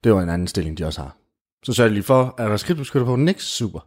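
A man telling an improvised comic story in casual chat, animated and full of fillers. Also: fairly low pitch. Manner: animated, jumps into character voices, many fillers like "du ved".

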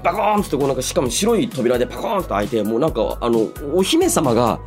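A man hosting a solo radio show, chatting and reading listener mail in an animated way, slipping between polite announcing and casual asides. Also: medium pitch, racing, soft background music. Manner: animated storytelling with sound-effect words and casual asides.

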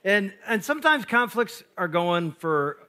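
Middle-aged man, pastor and speaker, bright and high, animated, playful storyteller. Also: unhurried, clear, resonant tone. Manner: animated, jokey, acts out both sides of quarrels. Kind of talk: lively storytelling talk to an audience.

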